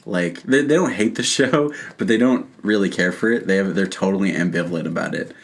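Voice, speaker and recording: Male co-host, lowish pitch, informal explainer style, casual pop-culture chat. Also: a little fast, vocal fry. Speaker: podcast co-host.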